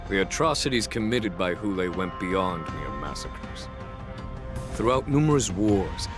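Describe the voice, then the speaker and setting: Low-voiced, composed veteran commander. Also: male voice. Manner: formal, deliberate, explanatory. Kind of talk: video game voice acting. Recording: music behind the voice.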